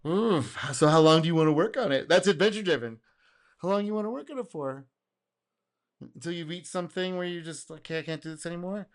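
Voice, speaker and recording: Animated, slightly hoarse man reacting. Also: fairly high pitch, a little fast. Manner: animated, exclaims and laughs, acts out customer quotes. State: getting hoarse. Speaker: host reacting to a video. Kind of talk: casual reaction commentary.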